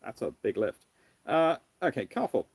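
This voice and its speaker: A man's voice: medium pitch, big pitch swings, moderate pace, creaky, background noise. A British man hosting a casual live question-and-answer stream, talking in a rambling, discursive way and restarting his phrases. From United Kingdom. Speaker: livestream host, history lecturer.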